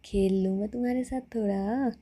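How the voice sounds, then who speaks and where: A woman doing teasing lover Seema, soft and husky. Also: medium pitch, fairly even intonation, moderate pace, close to an everyday voice.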